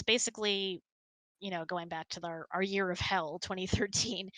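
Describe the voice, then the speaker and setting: A woman's voice: lowish voice, pushed and bright, dry recording, low-quality recording. A woman hosting a casual question-and-answer chat, speaking in an informal, rambling and emphatic way. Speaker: host of a live Q&A. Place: close-miked online voice chat, dry.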